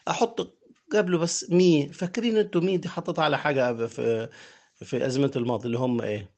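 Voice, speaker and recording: A man's voice: mid-range voice, fast, a little mellow. A man with an Egyptian Arabic accent teaching a grammar lesson, explaining step by step, repeating each form and checking that his students follow.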